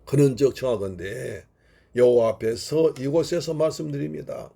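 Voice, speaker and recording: A man's voice: mid-range voice, normal speed, vocal fry, warm tone, breathy edge. A man preaching a sermon at family worship as the pastor. He retells scripture as a vivid story and acts out the quotes.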